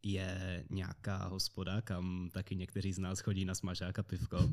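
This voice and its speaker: A man with a dark, mellow tone speaks at a fairly slow pace against a silent background in a very clean recording. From Brno, Czechia. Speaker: student. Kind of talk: casual chat.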